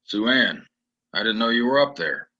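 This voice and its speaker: An actor playing a troubled, polite war veteran in a Western audio drama, speaking in an earnest, halting way. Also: male voice, mid-range voice, animated, sharp tone, dull audio. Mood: earnest, deferential. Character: troubled, soft-spoken male stranger, war veteran in Western town.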